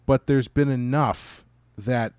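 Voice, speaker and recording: A man with a mid-pitched voice in a dry recording space. He speaks as a podcast co-host in casual review chat, feeling his way through measured opinions with halting phrasing. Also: steady tone, a little mellow, clean tone, dry recording.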